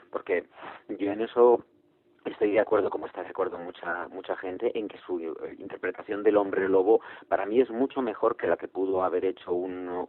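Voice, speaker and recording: A man's voice: low-pitched, no room sound. Man, hesitant, over a tinny phone line. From Spain. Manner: hesitant, many filler sounds, earnest. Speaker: actor interviewed as guest. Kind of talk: phone interview.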